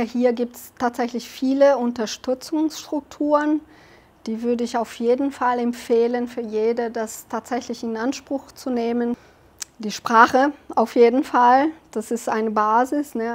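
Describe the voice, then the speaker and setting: A Brazilian woman in her forties with a Portuguese accent, answering interview questions in a fairly high voice. She speaks thoughtfully, often pausing on fillers as she searches for words. She is close on a lapel mic in an office. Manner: thoughtful, with frequent hesitation fillers. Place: office with large windows.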